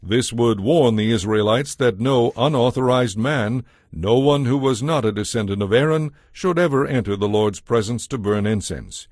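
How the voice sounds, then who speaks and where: A man narrating scripture from a script as a storyteller, in a measured, solemn way. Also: mid-range voice, a little mellow, no echo, clean studio sound.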